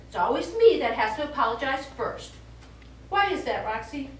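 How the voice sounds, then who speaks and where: Actress as melodramatic diva in a very echoey theatre. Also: female voice, sits high, big pitch swings, normal speed. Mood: wistful, self-pitying. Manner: theatrical, wistful, gushing. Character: melodramatic, sentimental diva ventriloquist Miss Ladeau. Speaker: stage actor. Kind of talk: live stage comedy acting. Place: small indoor theatre stage. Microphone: far camera. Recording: very echoey theatre, distant camera, noisy.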